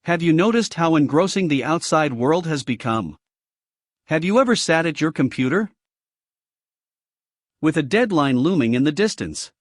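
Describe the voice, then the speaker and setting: A man's voice: on the high side, lively intonation, normal speed, pauses often, no echo, studio quality. A man with a Greek accent narrating a self-help audiobook, reading expressively and asking the listener many questions.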